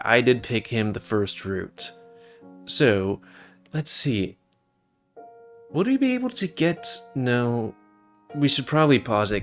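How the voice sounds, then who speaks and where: A man with a middle-pitched voice that swings up and down a lot as he chats through gameplay. He rambles and breaks off into side remarks in a loose, easygoing way. Soft game music plays quietly underneath. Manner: rambling, chatty, self-interrupting asides. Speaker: video game commentator. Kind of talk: casual gameplay commentary.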